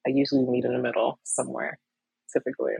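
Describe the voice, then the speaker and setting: A young woman from Miami, an illustrator talking casually in an interview, animated with frequent laughs and fillers. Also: very deep voice, fast talker, gravelly, slightly rough, no room sound, poor audio. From Miami, USA. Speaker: illustrator guest.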